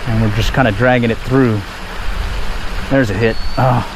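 A man's voice: mid-range voice, normal speed. Man narrating his fishing outdoors. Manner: relaxed, chatty, pleased exclamations at each catch. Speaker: fishing vlogger. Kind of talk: casual running commentary while fishing. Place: outdoors at a park pond. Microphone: head-mounted action camera. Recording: outdoor action-camera audio with background noise.

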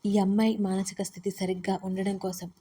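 A woman voicing a composed, smooth-talking doctor. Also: medium pitch, brisk, close to an everyday voice. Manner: steady, unhesitating.

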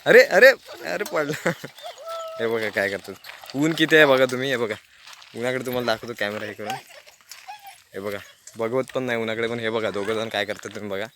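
A man's voice: lowish voice, fast talker. A man with a Konkan Marathi accent narrating a casual outdoor village vlog, calling out to children as he films. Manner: lively, calling out to children while addressing viewers. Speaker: village vlogger. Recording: outdoor background noise.

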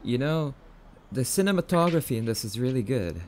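A man's voice: medium pitch, lively intonation, brisk, a little mellow, slight background noise, natural voice. A man playing a grumpy, affectionate, easily spooked young catboy boyfriend in an ASMR roleplay, defensive and prone to stammering. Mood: spooked, clingy.

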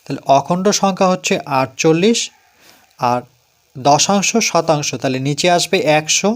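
A man's voice: fairly high pitch, moderate pace. Patient Bengali man teaching math. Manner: patient, repeats digits one by one. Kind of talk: classroom math lesson, explaining step by step.

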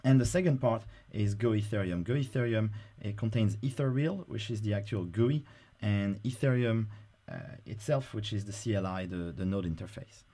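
Brief: male presenter, low mellow voice, relaxed screen-recording tutorial delivery with filler words. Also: moderate pace, hardly any pauses. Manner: casual, explanatory, frequent "uh" fillers.

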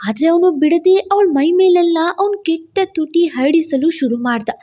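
Brief: woman storyteller, high mellow voice, emphatic narration, muffled audio. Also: moderate pace.

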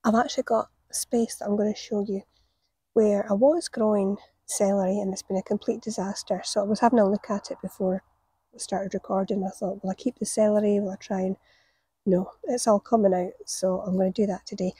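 A woman's voice: mid-range voice, steady tone, a little fast, warm tone, breathy edge, no room sound. Chatty woman in her garden. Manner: chatty storytelling, laughs at her own tales. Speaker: gardening vlogger. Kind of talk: casual chat to camera while gardening. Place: outdoor allotment garden. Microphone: camera on the ground a few metres away.

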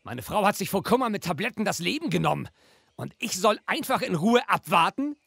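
An actor playing a grieving father turned kidnapper, speaking in hushed, menacing whispers in a radio drama. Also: high voice, big pitch swings, fairly quick, creaky, husky, no room sound, studio quality, heavily acted. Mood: bitter rage. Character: vengeful middle-aged father, unhinged kidnapper. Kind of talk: audio drama acting.

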